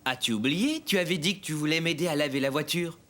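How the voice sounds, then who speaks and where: A man playing a patient, good-natured young father in a dubbed children's cartoon, expressive and gently instructive. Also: on the high side, fast, music in the background, natural voice. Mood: mildly reproachful.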